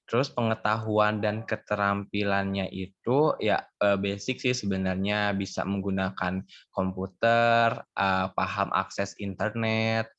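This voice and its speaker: A man's voice: lowish voice, measured pace, no echo. A young man with a slight Sundanese accent, a hospital billing staffer explaining his job casually on a video call with many fillers. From West Java. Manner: relaxed, informal, frequent fillers. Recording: dull, muffled video call audio.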